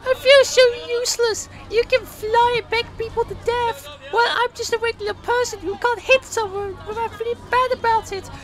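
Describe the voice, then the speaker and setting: Man putting on a very high-pitched gentle young woman. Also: steady tone, moderate pace, hardly any pauses, some chatter behind. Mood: downcast. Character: gentle, good-hearted young woman, self-doubting. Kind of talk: amateur audio play acting.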